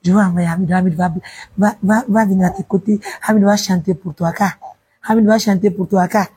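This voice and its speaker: A woman who coos softly to calm a crying baby and announces incoming donations in an animated way. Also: mid-range voice, a little fast, slightly rough, low-quality recording. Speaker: journalist running a donation appeal. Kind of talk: live fundraising appeal while soothing a baby.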